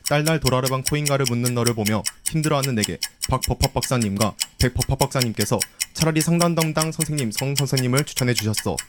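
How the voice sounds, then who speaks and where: A man, an announcer candidate, reading a tongue twister quickly, some words slightly slurred. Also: medium pitch, very noisy.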